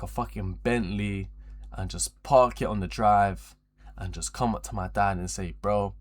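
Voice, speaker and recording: A twenty-year-old man chatting casually on a livestream in a rambling, slangy, repetitive way, with frequent swearing. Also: fairly low pitch. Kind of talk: casual livestream chat to viewers.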